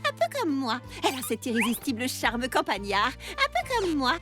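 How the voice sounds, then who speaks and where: Cheery cartoon girl baker, super high n bouncy, earnest, loud music behind. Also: moderate pace. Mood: reassuring, upbeat. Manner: perky, reassuring, expressive. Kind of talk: animated cartoon dub. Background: background music.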